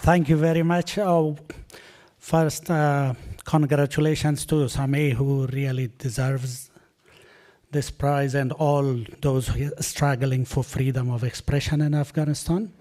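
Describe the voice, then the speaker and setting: A man whose first language is Persian, giving a short, halting speech with many pauses and fillers before he performs. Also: mid-range voice, level tone, warm tone. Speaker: guest musician and poet. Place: award ceremony hall.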